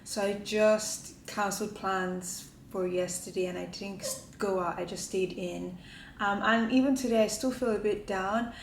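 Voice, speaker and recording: Speaking at an unhurried pace in a steady, mid-range voice, a woman vlogs to camera from her kitchen at home, chatting casually and rambling with plenty of "like" fillers. The room sounds echoey with faint ambience, and there's a slight hiss or hum.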